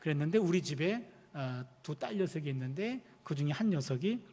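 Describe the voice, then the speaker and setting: A man's voice: a little high, a little fast, breathy edge. A man in his fifties, a pastor and professor, preaching a sermon full of personal stories and acting out the dialogue. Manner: animated storytelling, acting out quoted dialogue. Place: church sanctuary. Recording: long reverb of a church hall.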